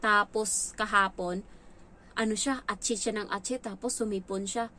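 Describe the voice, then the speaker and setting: A woman vlogging in a casual storytelling way about her work as a domestic helper, animated and quick to act out what others said. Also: a little hiss or hum. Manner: animated, acts out quoted lines in a higher voice. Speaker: domestic helper telling stories about her employers' child.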